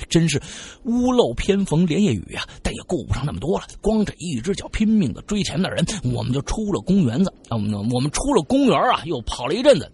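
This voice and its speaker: Gravelly man telling a ghost story. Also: a little high. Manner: animated, dramatic storytelling. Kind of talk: casual spoken ghost story.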